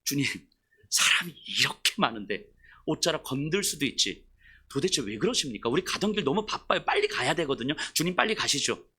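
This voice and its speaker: A man's voice: sits high, wildly swooping pitch, fast, vocal fry, few pauses, pushed and bright, breathy edge, full character voice. A man preaching a sermon, voicing dismissive and impatient male disciples in a whiny, exasperated tone.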